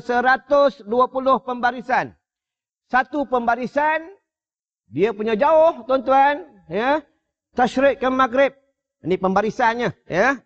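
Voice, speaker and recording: A man with a Malaysian Malay accent giving a mosque sermon, telling stories with animated asides to his listeners. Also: extremely high pitch, lo-fi sound. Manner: animated storytelling, addresses audience as "tuan-tuan". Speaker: preacher. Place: mosque hall.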